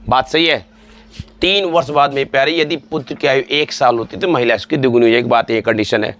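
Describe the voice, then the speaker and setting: A man's voice: medium pitch, brisk, fairly bright tone. A man in his forties teaching exam-prep math, talking students through each step, repeating himself and calling them friends and dear ones. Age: 40s.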